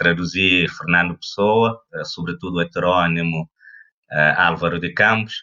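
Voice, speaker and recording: A man talks at a fairly slow pace. His very deep, low voice is monotone and flat. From Cape Verde. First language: Cape Verdean Creole (speaking Portuguese). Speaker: poet and translator. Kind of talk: interview. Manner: halting, many fillers.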